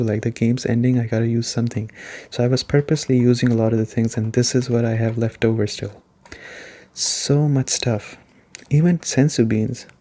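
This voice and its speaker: A soft-spoken man giving a relaxed, rambling ASMR game review, conversational and repeating points for emphasis. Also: mid-range voice.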